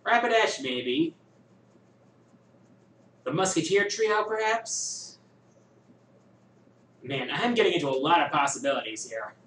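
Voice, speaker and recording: A man hosts a casual question-and-answer show, thinking aloud and pausing often as he talks. His pitch swings widely and sits a little high for a man. He is recorded a bit off the mic in an echoey room with faint ambience. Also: lively intonation, a bit bright, far from the mic. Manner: musing, thinks aloud with many pauses. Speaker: host answering viewer questions. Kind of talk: casual chat.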